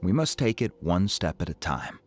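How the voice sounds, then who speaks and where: A man's voice: low voice, big pitch swings, normal speed, faint music behind. A man voicing a dignified, patient tribal chief in a video game, speaking in a stately, formal way. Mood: patient, firm. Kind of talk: video game character acting.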